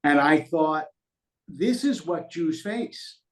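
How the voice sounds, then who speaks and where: A middle-aged man, a rabbi, answering interview questions in a measured, reflective way and telling anecdotes. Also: a little high, expressive. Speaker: rabbi, guest. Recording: roomy echo.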